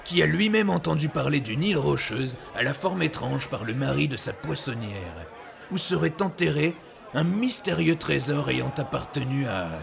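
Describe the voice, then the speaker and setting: A man playing a boastful, luckless pirate captain in an audio drama, with a gravelly voice and a pompous, theatrical delivery. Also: a little high, expressive, normal speed, crowd noise. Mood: evasive boasting. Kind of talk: French audio drama acting.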